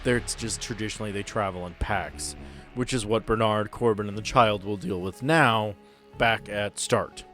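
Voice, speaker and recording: A man's voice: fairly low pitch, normal speed, a bit bright. A man narrating a tabletop roleplaying game as game master, explaining things in a conversational way. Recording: music behind. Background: background music.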